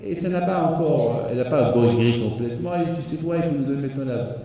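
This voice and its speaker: Man preaching from far off in a booming hall. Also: fast, a little hiss or hum. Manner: lively storyteller who acts out the animals. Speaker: rabbi. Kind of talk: sermon with a told fable. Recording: echoey hall from far off, dull.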